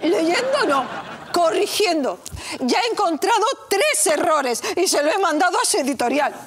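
An actress playing a prim, suddenly intellectual princess who lectures everyone in a preachy, pedantic way. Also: female voice, very high voice, very animated, normal speed, a crowd in the background. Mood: lecturing. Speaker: satirical sketch actress. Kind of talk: sketch comedy acting. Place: studio set of a palace room.

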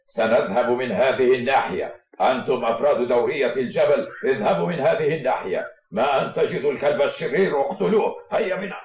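A man's voice: medium pitch, quick pace, darkish tone, lightly acted. A man playing a stern, commanding army officer giving clipped orders in a cartoon dub. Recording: dull, echoey, distant old dub.

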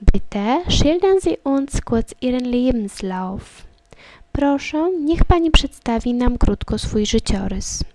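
Mellow-voiced woman reading a lesson. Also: on the high side, animated, no room sound. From Poland. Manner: reads each line in German, then in Polish, then repeats the German slowly. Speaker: German teacher. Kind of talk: reading a language lesson dialogue.

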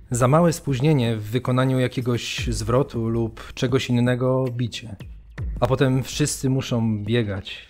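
A man's voice: medium pitch, a little mellow, natural voice. An actor voicing a male camp prisoner listing cruel punishments in a documentary radio play. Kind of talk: dramatised documentary narration.

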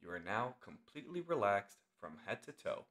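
A man leading a guided meditation as the instructor, speaking in short, deliberate phrases with long pauses. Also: on the low side, big pitch swings, a bit bright.

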